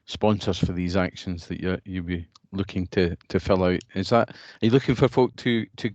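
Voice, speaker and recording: A deep-voiced man chairs an online meeting, pausing often and restarting his sentences. His audio comes through a dull, dry video call line with no room around it. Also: fairly even intonation, a little mellow, dry recording. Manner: hesitant, many fillers and restarts.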